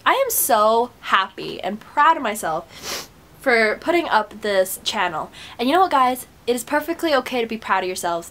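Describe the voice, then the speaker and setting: Young woman webcam vlog, bit high voice, stuffy nose, bubbly and encouraging, just back from a run. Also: fairly bright tone. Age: young adult. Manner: bubbly, upbeat, encouraging, rambling. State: sweaty after a run. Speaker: vlogger. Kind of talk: casual motivational chat to camera. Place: small bedroom, indoors. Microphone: webcam close up.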